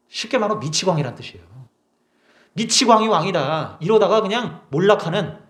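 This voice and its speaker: A man's voice: high-pitched, reverberant. A young man preaching a sermon as a pastor, emphatic and full of rhetorical questions. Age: young adult. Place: small church.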